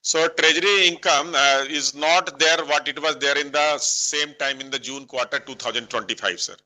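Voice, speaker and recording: A man with an Indian accent speaking as a bank executive answering analysts on an earnings call, halting at times and repeating his words. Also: a little high, steady tone, bright, forceful tone, low-quality recording. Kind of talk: earnings call management commentary.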